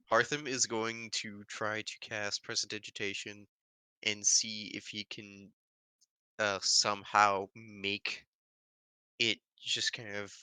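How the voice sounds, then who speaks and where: A man's voice: fairly low pitch, sharp tone, no echo. A man playing a tabletop game, chatting casually with hesitant fillers. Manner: hesitant, fillers, bursts of laughter. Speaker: player. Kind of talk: casual chat while role-playing.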